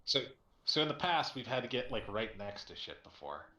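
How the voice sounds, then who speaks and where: A man playing in an online tabletop game, talking quickly and casually about rules and plans. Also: medium pitch, sing-song, sharp tone. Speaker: player. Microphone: computer mic on a voice call. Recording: echoey room, faint keyboard noise.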